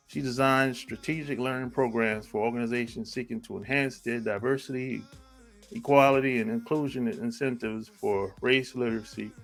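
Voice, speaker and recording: A man hosting a podcast, reading a guest introduction and chatting in a relaxed way, often answering with a quick "yeah". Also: medium pitch, gravelly. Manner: relaxed, backchannels with frequent "yeah". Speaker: podcast host. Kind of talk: casual interview conversation.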